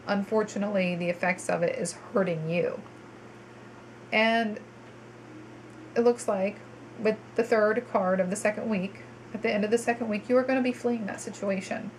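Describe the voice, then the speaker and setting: A woman's voice: medium pitch, rough recording. Brief: woman tarot reader, congested and nasal, chatty with ums, faint noise behind. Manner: chatty, with frequent ums and restarts. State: stuffy, congested. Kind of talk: monthly tarot reading to viewers.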